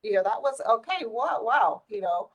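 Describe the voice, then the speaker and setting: A woman's voice: a little high, moderate pace, muffled recording. A middle-aged woman, a native Spanish speaker, telling stories in a casual, conversational way and acting out quoted dialogue. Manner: animated retelling with quoted dialogue. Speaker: community volunteer sharing life stories.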